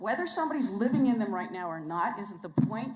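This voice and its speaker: Audible room echo accompanies a woman with an American accent. She speaks at a moderate pace in a fairly high pitch. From Northern California, US. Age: 60s. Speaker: resident speaking at public hearing. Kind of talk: public comment. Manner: halting.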